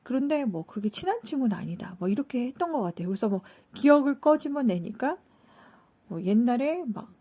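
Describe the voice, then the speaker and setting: Husky woman retelling a story casually. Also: fairly high pitch, dark tone. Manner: loose, filler-heavy storytelling, acting out quoted lines. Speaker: channel host.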